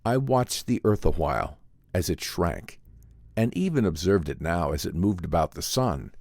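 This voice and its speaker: A man reading a vintage science fiction story as a dramatic audiobook narrator, theatrical and measured in delivery. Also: deep voice, big pitch swings, darkish tone, dry recording, studio quality.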